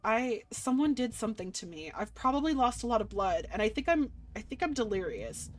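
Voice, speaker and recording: Expressive woman streaming a visual novel. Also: on the high side, fairly quick, a little hiss or hum. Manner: expressive, reactive. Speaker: game streamer. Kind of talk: dramatic visual novel reading with casual commentary.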